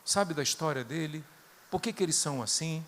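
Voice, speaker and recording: A middle-aged Brazilian man with a Brazilian Portuguese accent, preaching a sermon built on personal stories, rising to loud bursts and dropping to hushed tones. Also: a little high, expressive, fairly quick, a little hiss or hum. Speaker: guest preacher.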